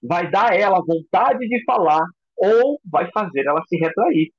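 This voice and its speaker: A man teaching a recorded psychoanalysis lecture in an expressive way, acting out example voices. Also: high-pitched, measured pace, dry recording, highs cut off. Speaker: psychoanalysis instructor.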